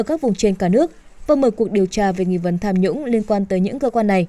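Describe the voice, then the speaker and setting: This woman talks at a very fast pace. Her tone is dark and mellow, and her pitch sits in the middle range. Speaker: news presenter. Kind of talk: news reading.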